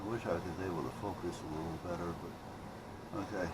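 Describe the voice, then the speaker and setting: A man's voice: deep voice, steady tone, quick pace, heavy background noise. A middle-aged or older man rambling casually and thinking aloud as he films an unscripted repair video. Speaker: electronics repair hobbyist showing his work.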